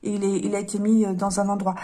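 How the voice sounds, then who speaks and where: A woman talks through a tarot card reading in a relaxed, unscripted way. Her voice is husky and a little breathy, and her pitch sits in a middling range. She hesitates often and keeps apologizing as she lays out the cards. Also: fast. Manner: hesitant, apologetic, with frequent fillers and sighs. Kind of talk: casual card-reading monologue.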